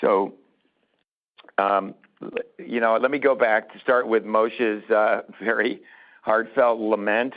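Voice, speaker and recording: A man answering questions as a company executive on an earnings call, speaking in a halting, deliberate way with restarted phrases. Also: fairly low pitch, fairly even intonation. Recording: muffled narrowband phone conference line.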